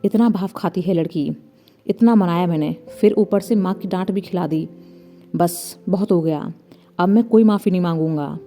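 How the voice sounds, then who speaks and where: A woman doing a proud young guy who sulks and argues, stubborn, low-key mellow voice, storybook reading with soft music behind. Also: normal speed, lightly acted. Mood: sulky. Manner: pleading then grumbling, stubborn. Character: young man, proud, sulky, quarrelsome. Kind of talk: storybook narration.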